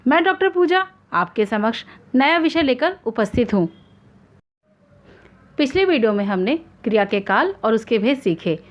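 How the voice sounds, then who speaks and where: A woman hosting an online grammar lesson, explaining in a formal, measured way with examples. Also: fairly high pitch, sing-song. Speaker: Hindi grammar teacher, channel host.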